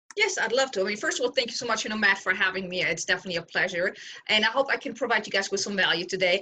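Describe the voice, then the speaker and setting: A woman talks at a very fast pace with a German accent and a fairly high pitch. Noticeable background noise sits behind her. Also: ordinary pitch variation. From Germany. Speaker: business coach. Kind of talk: interview.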